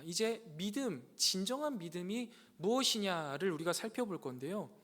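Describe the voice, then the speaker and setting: A man preaching a sermon to young adults, earnest and full of rhetorical questions, building louder on key points. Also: high-pitched. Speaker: pastor. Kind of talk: sermon to a youth congregation. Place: church sanctuary. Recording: church hall reverb.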